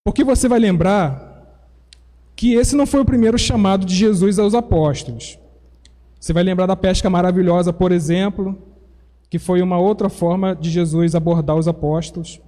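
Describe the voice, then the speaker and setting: Preaching in a church, this Brazilian man walks through his sermon step by step in a teacherly, explanatory way, occasionally correcting himself. His high-sitting voice has a dark tone and moves at a normal speed, with the long reverb of the hall around it.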